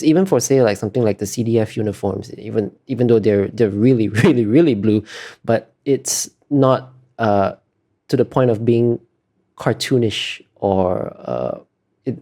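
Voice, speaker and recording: In a warm, medium-pitched voice at a measured pace, a man talks as an artist in an interview. He's relaxed and thoughtful, groping toward his points through trailing clauses.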